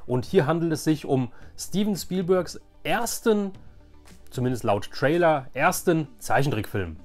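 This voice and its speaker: A man's voice: a little high, expressive, a little slow, a little mellow, faint music behind. A man in his forties from Germany hosting a casual, nostalgic show-and-tell, speaking in a rambling, repetitive, hesitant way. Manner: hesitant, rambling, repeats phrases. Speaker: YouTube host showing childhood collections.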